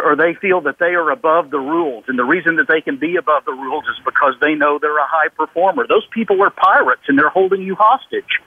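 A man with a slightly high voice talks as a business expert in a radio interview. He is emphatic and conversational, doubling back on words and acting out the lines he quotes. The sound is close and dry. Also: slightly rough, no echo, narrow, tinny audio. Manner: emphatic, halting with repeated words, acts out quoted remarks. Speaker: interview guest, business author and consultant.

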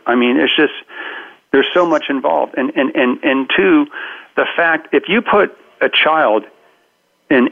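Brief: fifties man, talk-radio guest, animated storyteller, phone-line sound. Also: mid-range voice. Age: 50s. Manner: animated storyteller, acts out quoted voices. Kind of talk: radio interview.

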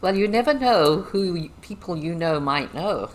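A woman's voice: lowish voice, moderate pace, a loud crowd, rough recording. A woman from Zimbabwe with a Zimbabwean accent, chatting animatedly as an interview guest. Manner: chatty and animated, laughs often. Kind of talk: casual interview chat.

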